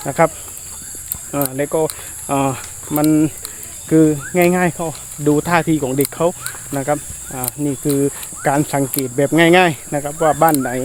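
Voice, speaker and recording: A man talking casually to viewers in an explanatory vlog, hesitant and repetitive, with many drawn-out filler pauses. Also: a little high, a little mellow. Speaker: soldier vlogger addressing viewers. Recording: noisy outdoor recording with insect ambience.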